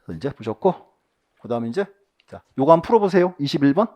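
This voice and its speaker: A male instructor walks through exam questions, his voice sitting a little high and swinging widely in pitch. He reads each item aloud and then quizzes his students with short rhetorical questions, sometimes dropping to a quiet aside. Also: very animated, quick pace.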